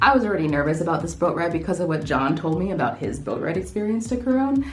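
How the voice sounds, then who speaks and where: A woman talks while noticeable background noise carries through the clip. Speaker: travel vlogger. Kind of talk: casual storytelling to camera.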